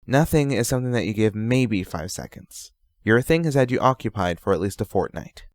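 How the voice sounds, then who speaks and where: A man's voice: fairly low pitch, animated, fairly quick, no room sound, studio quality, close to an everyday voice. A man playing a young, easygoing sorcerer in an audio drama, speaking in an articulate, slightly formal way. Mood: concerned. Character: concerned, easygoing young male sorcerer sidekick. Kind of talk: amateur audio drama acting.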